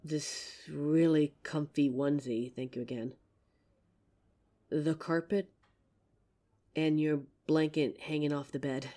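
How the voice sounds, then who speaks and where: A woman voicing a soft, tender werewolf girlfriend. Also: deep voice, fairly even intonation. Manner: tender, slow, grounding exercise. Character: gentle young female werewolf girlfriend. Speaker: voice actor. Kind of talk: F4A audio roleplay.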